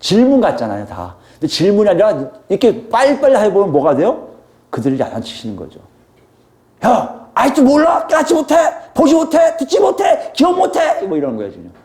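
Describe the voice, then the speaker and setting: Middle-aged male pastor, high mellow voice, animated preaching with rhetorical questions. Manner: animated, acts out quoted scolding with sudden loud jumps. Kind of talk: expository sermon.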